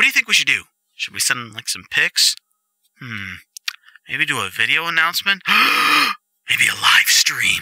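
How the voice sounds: Putting on a character voice, a man speaks fairly slowly at a fairly high pitch, with a bright, sharp tone, vocal fry and very wide pitch swings. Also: dry, close sound with no echo.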